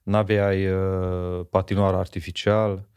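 Reflective man, somewhat low voice. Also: little pitch movement, a little mellow, clear, resonant tone. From Romania, Miercurea Ciuc. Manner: thoughtful, tags sentences with "you know?". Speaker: guest, former speed skater. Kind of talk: reflective podcast conversation.

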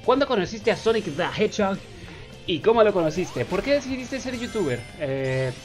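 A man's voice: high-pitched, sing-song, moderate pace, faint music behind. Playful young Mexican man, gaming voice-over. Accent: Mexican Spanish. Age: 20s. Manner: playful, reads viewer questions aloud in a raised voice. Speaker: gaming YouTuber. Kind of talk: casual Q&A voice-over over gameplay.

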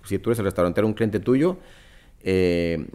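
Northern mexican man, low voice, founder in interview, desk mic, office room. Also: animated, moderate pace, mellow. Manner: explains with examples and acted-out quotes, many fillers. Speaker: startup founder. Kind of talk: business interview. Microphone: studio mic on desk stand.

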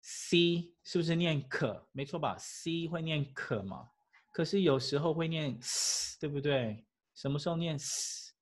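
A male English teacher gives a lively classroom lecture packed with rhetorical questions and chuckles. His pitch is fairly high and his pace measured.

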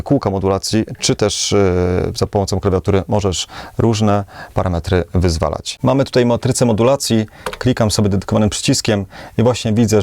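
A man's voice: lowish voice, vocal fry, darkish tone, no room sound. A man giving casual demo commentary as he reviews an instrument.

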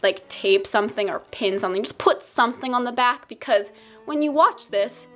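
A woman's voice: fairly high pitch, moderate pace, a bit bright, soft background music. Chatty young woman, stuffy nose. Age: young adult. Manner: chatty, self-mocking, rambling asides. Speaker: art YouTuber. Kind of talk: casual sketchbook tour chat.

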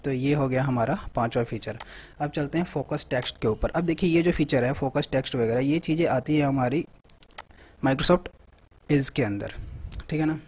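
A man hosting a tech tutorial, talking casually through a software demo and often checking in with the viewer. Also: medium pitch, moderate pace, breathy edge. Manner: conversational, repeats "theek hai" often. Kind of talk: screen-recorded software walkthrough.

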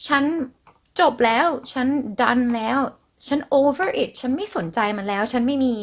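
A woman's voice: high voice, expressive, measured pace. A young adult woman hosting a podcast, chatting casually and playfully as she explains song lyrics line by line. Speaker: podcast host.

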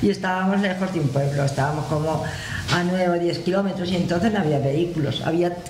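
A woman's voice: fairly low pitch, fast. Older manchega lady telling stories, kinda echoey room with background noise. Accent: Manchego Spanish. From La Mancha, Spain. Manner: chatty, reminiscing, laughs at herself. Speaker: guest. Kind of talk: casual storytelling. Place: community hall with audience. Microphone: table mic on stand. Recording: roomy hall, audible noise.

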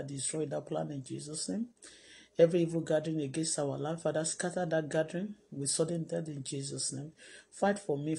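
A woman's voice: low-pitched, vocal fry, mellow, slightly rough. A middle-aged Nigerian woman with a Yoruba accent, praying fervently and then speaking emphatically to her live stream from a phone indoors. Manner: fervent, repetitive prayer cadence, emphatic. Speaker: vlogger. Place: indoor room. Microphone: phone camera at arm's length.

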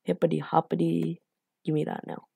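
A woman with a slightly raspy late-night voice hosts a casual coding tutorial, rambling and apologizing with lots of fillers. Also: low voice, level tone, moderate pace, dark tone, no room sound. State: a bit raspy from being up late.

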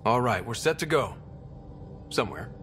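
An actor playing a level-headed expedition leader in a video game, direct and questioning with a wry edge. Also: male voice, medium pitch, lively intonation, moderate pace, a bit bright, faint music behind, natural voice. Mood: wry, resolved. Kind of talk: video game cutscene dialogue.

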